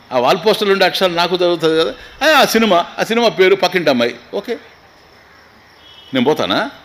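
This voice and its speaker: A swami gives a Vedanta discourse in Telugu to his listeners, asking rhetorical questions and mixing in English phrases. His voice sits high and is a bit bright.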